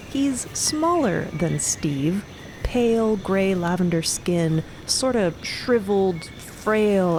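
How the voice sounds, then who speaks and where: A woman's voice: on the low side, noisy background. A woman narrating a fiction podcast in a dramatic storytelling style.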